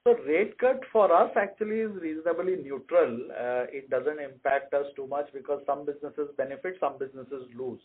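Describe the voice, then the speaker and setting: A man speaking as a company executive on an earnings call, explaining to analysts in a measured, methodical way over a conference line. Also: a little high, slightly rough, narrow, tinny audio.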